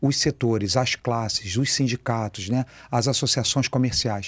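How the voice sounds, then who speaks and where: Speaking with a Rio de Janeiro accent, a man talks at a fairly slow pace with ordinary pitch variation, the sound dry and close with no echo on a very clean recording with a silent background. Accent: carioca. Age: 40s. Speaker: political candidate. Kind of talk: radio interview.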